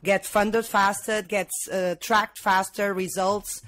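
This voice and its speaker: A woman's voice: mid-range voice, flat delivery, slow pace, fairly bright tone, no room sound. Hesitant woman from Portugal. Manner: hesitant, many restarts and fillers. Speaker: guest, angel investor. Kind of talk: casual interview talk.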